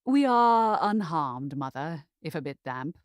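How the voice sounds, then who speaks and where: A woman voicing a gallant, composed young gentleman with stagey period-drama formality in a romance audiobook. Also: sits low, big pitch swings, unhurried, clear, resonant tone, no room sound, clean studio sound. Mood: firm, composed. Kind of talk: Regency romance audiobook character acting.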